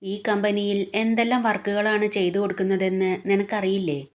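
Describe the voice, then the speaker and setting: A woman's voice: medium pitch, little pitch movement, moderate pace, lightly acted. A woman storyteller voicing a furious, domineering male company boss who scolds harshly. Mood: angry.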